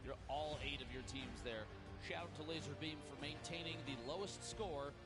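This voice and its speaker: A man's voice: fairly high pitch, moderate pace, over loud music. A man co-hosting a live esports broadcast, running through the standings with a dry joke. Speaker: co-host.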